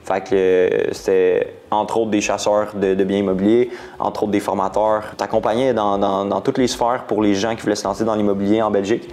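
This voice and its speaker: A young man with a Quebec French accent talks in a lowish voice. He rambles casually through his story in an interview, full of slang and English words mixed into his French. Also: flat delivery, a little fast, hardly any pauses, a little mellow. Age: 20s. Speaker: guest entrepreneur.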